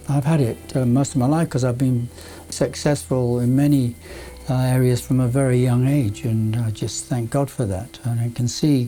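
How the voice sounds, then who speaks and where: With music in the background, a man speaks at a moderate pace in a medium pitch with ordinary pitch variation. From northern England (Cumbria, Lake District). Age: 70s. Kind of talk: autobiographical testimony. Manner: hesitant, many fillers.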